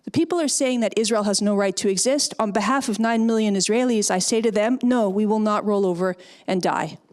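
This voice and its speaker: A woman's voice: mid-range voice, brisk, darkish tone. A middle-aged woman from Canada, a former speechwriter, giving an emphatic, persuasive talk and answering audience questions. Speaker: guest speaker, former speechwriter.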